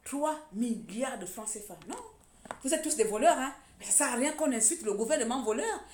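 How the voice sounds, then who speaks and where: A woman's voice: on the high side, animated, a little fast, a little hiss or hum. A woman from Gabon, an activist ranting sarcastically and scolding on a live stream. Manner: mocking, scolding, repetitive. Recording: echoey room.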